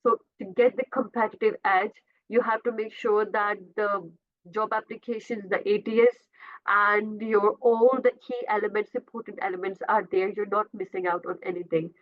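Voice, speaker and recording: A woman's voice: medium pitch, level tone, normal speed. Woman coaching over a tinny video call. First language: Urdu. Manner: repeats and self-corrects, frequent uh fillers. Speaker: career coach presenting a webinar. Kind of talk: informal presentation with slides.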